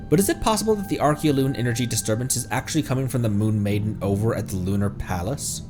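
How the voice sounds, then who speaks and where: A man is streaming a video game with music clearly audible behind him. His voice sits fairly low and swings widely in pitch as he gives casual commentary and reads in-game text out loud.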